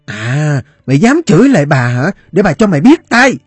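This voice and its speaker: A man's voice: very high voice, sing-song, normal speed, dry recording, soft background music, voice pushed up, exaggerated voice. A man voicing a fat, abusive middle-aged woman who screeches and wails in a piercing, hysterical voice. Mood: threatening. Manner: shrieking, wailing, hysterical scolding.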